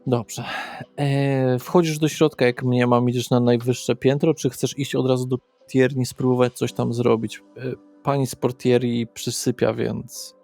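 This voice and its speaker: A man narrates a tabletop horror role-playing game as game master. His voice stays in a narrow, even range with a lot of fry in it, and music plays underneath. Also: mid-range voice, unhurried. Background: background music.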